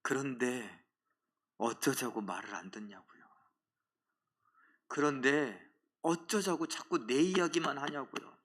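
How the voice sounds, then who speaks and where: Korean pastor preaching with bright intensity. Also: male voice, medium pitch, a little slow, pauses often. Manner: swings between loud exhortation and hushed near-whisper; questions the congregation directly. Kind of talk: sermon.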